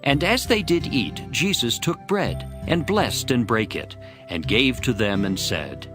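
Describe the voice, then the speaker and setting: A man's voice: medium pitch, sing-song, unhurried. A man narrating scripture from a script for a dramatized audio Bible. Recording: music behind the voice. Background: background music.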